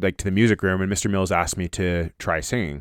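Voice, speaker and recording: This man has an unremarkable speaking voice and a Canadian accent. He talks at a fairly quick pace and fairly low pitch, with fairly even intonation. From Ontario, Canada. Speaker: podcast host, boxing coach and former MMA fighter. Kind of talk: casual solo monologue. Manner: rambling with many fillers.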